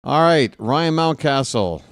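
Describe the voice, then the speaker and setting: A man in his late forties calls a ballgame for his own fan channel, drifting from plain pitch-by-pitch calls into sarcastic grumbling and loud rants. His voice is smooth and full, sitting in an ordinary middle register, and it sounds close and dry with no room around it. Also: slow, no room sound. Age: 40s. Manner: wry, sarcastic asides and grumbling between calls; gets loud and animated when ranting. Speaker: fan play-by-play broadcaster. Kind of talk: casual live play-by-play with rambling commentary.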